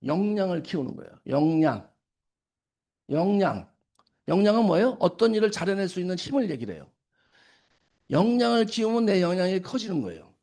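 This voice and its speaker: A middle-aged man lecturing at a business seminar. His voice sits high and his talk runs quickly. He keeps firing questions at his listeners and answers them himself, and he acts out scolding lines when he quotes people. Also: very animated, mellow. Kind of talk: lecture to an audience.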